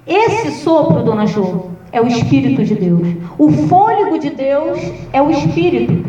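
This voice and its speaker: A woman pastor with a Brazilian Portuguese accent, preaching a sermon with lively, humorous storytelling. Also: sits high. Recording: echoey, distant, dull sound.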